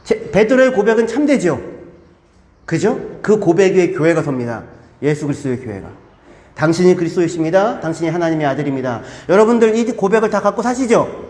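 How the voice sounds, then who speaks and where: Animated male pastor in an echoey hall. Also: high voice, fairly quick. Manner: animated, acts out crowds and disciples with shouts. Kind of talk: sermon. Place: church.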